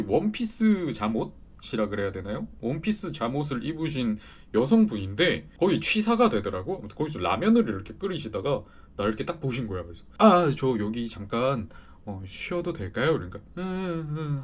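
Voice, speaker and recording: A young man from South Korea casually telling his viewers a story, animated, with frequent laughter. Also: medium pitch. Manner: animated, with frequent laughter and sudden loud outbursts.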